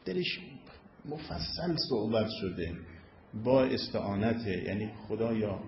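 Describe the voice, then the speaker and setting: A man's voice: very animated, vocal fry, a little hiss or hum. A man explaining Arabic grammar as a religious teacher, in a patient lecturing manner, often lifting and dropping his voice for emphasis. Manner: explanatory, rises and falls in pitch for emphasis. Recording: echoey room, dull lo-fi sound.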